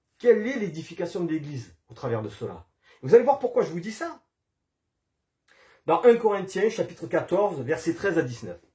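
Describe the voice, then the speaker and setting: Moving at a fairly quick pace, a man speaks with very wide pitch swings. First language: Spanish (speaking French). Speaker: preacher. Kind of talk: sermon.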